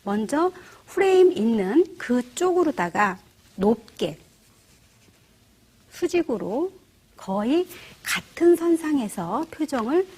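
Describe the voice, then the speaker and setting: A middle-aged woman teaching church flower arranging, explaining each step gently and often asking the viewer rhetorical questions. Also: high-pitched, very animated, takes it slowly, slight background noise. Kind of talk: instructional demonstration.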